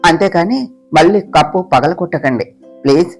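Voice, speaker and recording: A woman's voice: lowish voice, normal speed, husky, faint music behind, voice pushed down. A woman voicing a bold, cheeky young office assistant who teases her boss and talks back.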